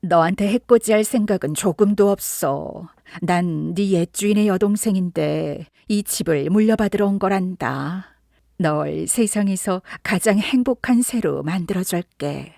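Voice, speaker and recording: A woman voicing a kindly widow who talks very softly and gently in a storybook reading. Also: mid-range voice, unhurried, creaky, no room sound, clean studio sound. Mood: tender. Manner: very soft, gentle.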